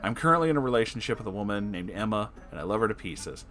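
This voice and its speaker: Expressive man narrating over music. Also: lowish voice, quick pace. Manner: expressive, casual, profane. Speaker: online story narrator. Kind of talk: dramatic story reading with personal reactions. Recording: music behind the voice. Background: background music.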